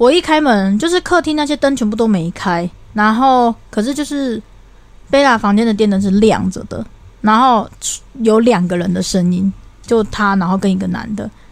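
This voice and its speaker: A woman with an unremarkable speaking voice, fairly high in pitch, at a moderate pace with lively intonation. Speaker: podcast co-host. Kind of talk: casual chat.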